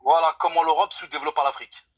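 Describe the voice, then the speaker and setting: A man's voice: on the high side, steady tone, quick pace, husky. A young man from France calling in to a live stream, speaking earnestly and emphatically and swearing by God to stress his points. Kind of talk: casual debate call.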